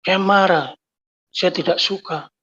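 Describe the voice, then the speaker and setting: A man giving an emotional personal testimony, his voice climbing high and loud when he recounts his anger. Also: unhurried, husky. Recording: dull lo-fi sound.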